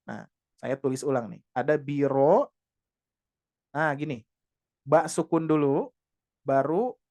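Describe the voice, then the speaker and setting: A man teaching Quran pronunciation to a class of women, patiently modeling each sound slowly and repeating it. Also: on the high side, a little mellow. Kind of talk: tajweed lesson to women.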